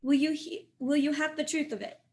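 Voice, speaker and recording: A simple, questioning gravedigger's helper, played by a woman in a Shakespeare play reading. The voice is high, and the lines come across plain-spoken. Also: steady tone, brisk.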